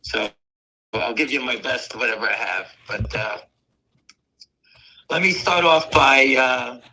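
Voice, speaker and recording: A man with a voice hoarse from weeks of coughing, chatting in a rambling way as a guest on a live stream. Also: mid-range voice, slow pace, bright, forceful tone, low-quality recording. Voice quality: gravelly, raspy. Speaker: guest on a stock market stream. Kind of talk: casual chat.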